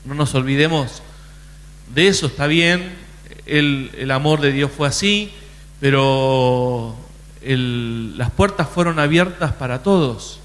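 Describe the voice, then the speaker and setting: A man's voice: mid-range voice, slow, fairly bright tone, big-room sound. A man preaching a sermon in a conversational way, often restarting his sentences. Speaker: pastor.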